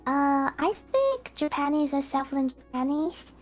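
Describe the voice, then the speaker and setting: Young woman, chinese speaker, high voice, modest, hesitant. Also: big pitch swings, measured pace, soft background music. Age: young adult. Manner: modest, hesitant, simple phrasing. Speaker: guest. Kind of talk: casual streamed chat.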